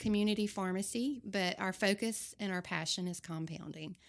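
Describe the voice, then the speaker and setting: The speaker has an unremarkable speaking voice, talking at a moderate pace with ordinary pitch variation in a very clean recording with a silent background. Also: woman. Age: 50s. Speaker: compounding pharmacist. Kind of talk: interview.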